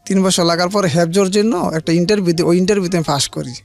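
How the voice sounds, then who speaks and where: Gravelly, higher-voiced male guest, hesitant. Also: fast, soft background music. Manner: hesitant, restarts, plain colloquial speech. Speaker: guest telling his life story. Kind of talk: halting personal storytelling.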